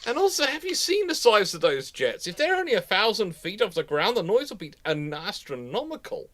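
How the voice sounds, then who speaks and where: A man hosting a live history stream in casual chat, with a halting, rambling way of talking that often repeats words. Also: sits high, very animated, a bit bright, slight background noise. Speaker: host of a live history question show; history lecturer.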